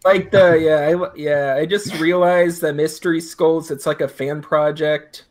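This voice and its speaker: A young man in casual podcast chat, talking in a halting, hesitant way. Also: on the high side, steady tone, a little mellow.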